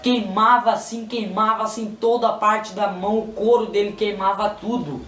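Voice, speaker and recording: A man's voice: sits high, fairly even intonation, moderate pace, a bit bright. Brazilian man, emotional repetitive testimony, roomy sound heard from a distance. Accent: Brazilian Portuguese. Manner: repetitive, pleading, emotional retelling. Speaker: person giving a religious testimony. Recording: roomy, distant mic, faint noise.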